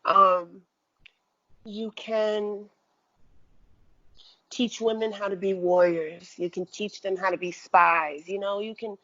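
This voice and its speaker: A woman speaking as an interview guest, reflective and deliberate, repeating phrases for emphasis. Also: mid-range voice, steady tone, sharp tone, muffled recording.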